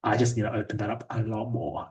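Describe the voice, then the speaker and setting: A man giving a daily sales progress report in a flat, somewhat robotic, monotone delivery. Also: lowish voice, fast, dull audio. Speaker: sales rep vlogger. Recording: voice a bit distant from mic.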